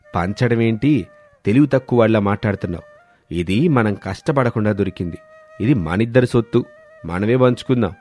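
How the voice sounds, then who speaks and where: A man's voice: lowish voice, brisk, darkish tone, lightly acted. A man playing arguing village friends in a dramatized moral story, speaking emphatically. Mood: greedy, defiant. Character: two village friends arguing, one greedy, one principled. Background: background music.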